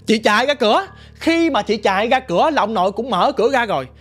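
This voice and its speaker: Chị giọng miền Nam kể chuyện ma có thật, kể sống động, giọng hơi cao, nhạc nền nhẹ. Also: female voice, fairly high pitch, lively intonation, quick pace, breathy edge, faint music behind. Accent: Southern Vietnamese. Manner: vivid, dramatic, addresses listener directly. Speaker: storyteller guest. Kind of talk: casual ghost story telling.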